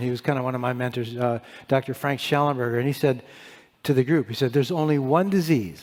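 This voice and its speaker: A man's medium-pitched voice with an American accent and ordinary pitch variation. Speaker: dentist. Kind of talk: conference talk. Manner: fast; halting, many repetitions.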